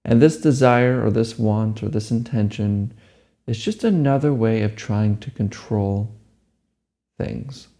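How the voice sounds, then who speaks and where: A man leading a guided meditation, giving gentle, unhurried instructions. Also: on the low side.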